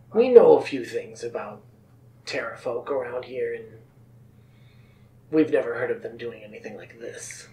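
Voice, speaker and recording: A man's put-on character voice at a moderate pace, with long, frequent pauses. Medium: actual play. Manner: measured, probing.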